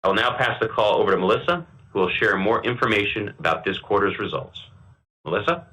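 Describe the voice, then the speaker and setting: A man reading prepared remarks as a company executive on an earnings call, in a formal, measured corporate manner. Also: on the low side, bright, forceful tone, rough recording. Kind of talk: scripted earnings call presentation.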